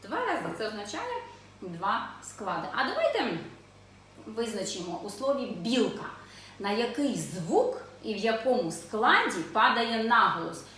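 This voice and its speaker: A woman's voice: on the high side, sing-song, fairly bright tone, a little hiss or hum. Sing-song woman teaching preschool reading. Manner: slow, sing-song syllable reading with frequent questions to children. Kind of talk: children's literacy lesson. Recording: echoey room, voice from a distance.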